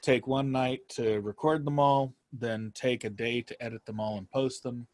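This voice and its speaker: A man speaks as a guest in a casual interview. His mid-pitched voice moves in stops and starts, circling a thought before settling on it. The recording is dry, without audible room. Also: steady tone, darkish tone, no room sound. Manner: halting, circles a topic before landing on it. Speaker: podcast guest, writer and podcaster.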